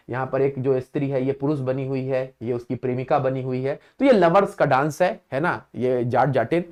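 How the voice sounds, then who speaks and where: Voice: mid-range voice, a little mellow. A teacher giving an exam-prep lecture, explaining step by step, checking in with listeners and naming items one at a time. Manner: explains step by step, often adds the tag "है ना"; lists place names one by one in a slow, stressed way.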